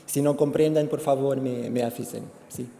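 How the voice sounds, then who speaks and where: A Portuguese man giving a conference presentation in Spanish with a Portuguese accent, speaking haltingly with many fillers and restarts. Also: mid-range voice, fairly even intonation, vocal fry, dark tone. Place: conference hall. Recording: hall reverb, faint background noise.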